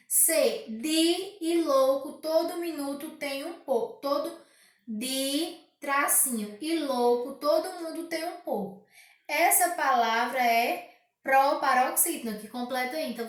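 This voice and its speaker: A woman teaching a recorded grammar lesson, reading exercises aloud, drawing out key words slowly and asking the class rhetorical questions. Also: high voice, recorded from a distance. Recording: very echoey room.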